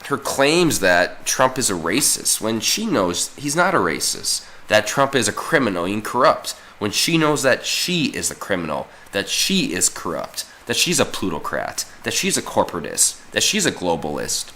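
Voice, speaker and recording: A man hoarse from a cold giving opinionated, informal political commentary in an emphatic, repetitive way. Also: low-pitched, bright, forceful tone.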